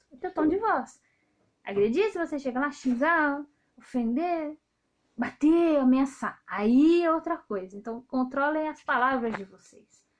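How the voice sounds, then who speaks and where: A Brazilian woman in her thirties, speaking with a Brazilian accent, talking straight to her viewers in a loud, outspoken, indignant way. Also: a little high. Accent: Brazilian Portuguese. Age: 30s. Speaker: video host. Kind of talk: casual monologue to viewers.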